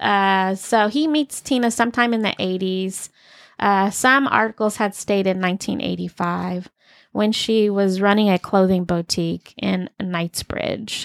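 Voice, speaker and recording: An animated woman with an American accent speaks at a medium pitch and a fairly slow pace, with ordinary pitch variation. The recording is very clean, with a silent background and a dry, close sound with no echo. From Arizona. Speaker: podcast host. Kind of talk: casual chat. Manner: animated, joking.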